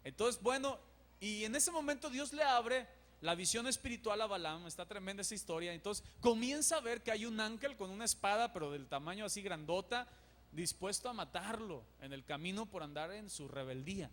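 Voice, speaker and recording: Male pastor, animated sermon; high pitch, long church reverb. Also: brisk. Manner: animated, acts out dialogues.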